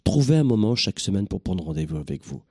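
A man from southern France giving an energetic, joking motivational talk to his listeners. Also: low-pitched, fast talker, slightly rough. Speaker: motivational speaker.

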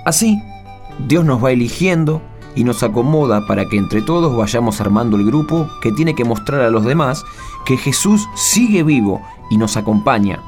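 An encouraging young Argentine catechist voiced by a man in a radio drama. His pitch is medium and he explains patiently, with light music around the dialogue. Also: animated, normal speed, a little mellow, natural voice. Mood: explaining. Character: encouraging young catechist eager to teach children.

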